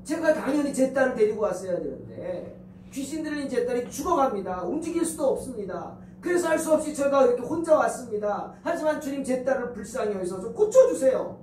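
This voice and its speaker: A woman's voice: high voice, big pitch swings, a little fast, a little mellow, a little hiss or hum, voice pushed up. A male pastor voicing a desperate mother who begs on her knees in an earnest, pleading way, heard in a roomy church hall from a distant mic.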